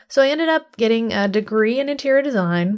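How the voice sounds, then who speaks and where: Speaking with a Pennsylvania accent, a woman has a fairly high pitch. She goes at a very fast pace with lively intonation. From central Pennsylvania. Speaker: podcast host. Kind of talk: casual podcast monologue. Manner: chatty, conversational.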